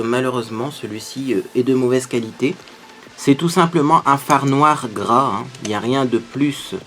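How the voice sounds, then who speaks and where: A man hosting a makeup tutorial, chatting to viewers as he explains each step. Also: mid-range voice. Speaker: beauty tutorial host. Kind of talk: casual makeup tutorial talk.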